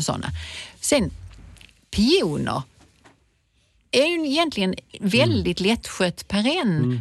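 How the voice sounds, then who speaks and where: A woman is speaking. Her pace is very slow. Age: 60s. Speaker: gardening expert. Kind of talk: casual chat.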